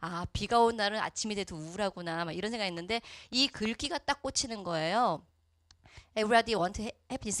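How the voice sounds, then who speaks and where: A woman speaks with a bright, sharp tone and a fairly high pitch. The sound is dry and close, with no echo. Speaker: network marketing speaker, Korean medicine doctor. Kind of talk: motivational talk. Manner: fast.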